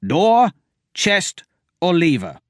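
A man voicing a steady young male adventurer who talks in a level-headed, urgent way. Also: high voice, slow pace, dry recording, clean studio sound, pitched above the performer's own voice, exaggerated voice.

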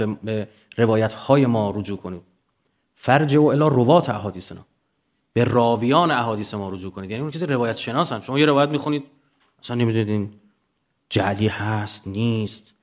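Iranian guy lecturer, persian accent, explaining stuff emphatically in an informal talk, asks rhetorical questions, medium pitch. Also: darkish tone.

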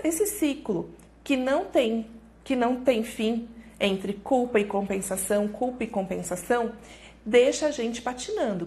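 A woman's voice: mid-range voice, creaky, a little mellow. A woman with a Brazilian Portuguese accent hosting a live stream on parenting, explaining patiently, repeating key phrases and acting out example thoughts.

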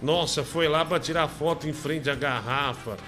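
A man's voice: a little high, normal speed, loud music behind the voice. A man hosting a comedy show, chatting in a profane, teasing way. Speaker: show host. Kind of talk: crude comedy live show chat.

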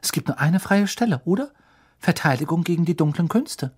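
A man's voice: a little high, animated, brisk, husky, voice pushed up. A man voicing a clever, earnest teenage schoolgirl who talks insistently and with worry. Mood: knowing. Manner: insistent and worried.

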